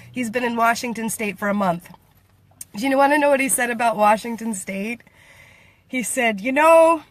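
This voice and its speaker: A woman's voice: a little high, no room sound. Playful, chatty woman vlogger. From United States. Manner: chatty and playful, laughs often, quotes others in lively voices. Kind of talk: casual vlog chat. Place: Washington State.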